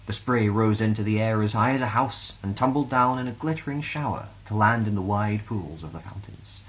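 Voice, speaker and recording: A man with a Scottish accent reading a children's fantasy story aloud in an expressive storytelling style. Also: fairly low pitch, fairly quick, low-quality recording. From Glasgow, Scotland.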